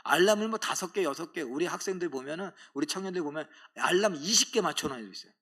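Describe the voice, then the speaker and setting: Man pastor, middle-aged, animated sermon, slightly high voice, church. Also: quick pace. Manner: animated storytelling, mimics voices in quotes. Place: church sanctuary.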